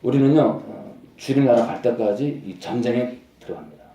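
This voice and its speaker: A man's voice: normal speed, dark tone, muffled recording. Emphatic male pastor in an echoey hall. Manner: emphatic, repeats phrases and rises in pitch to stress points. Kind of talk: sermon.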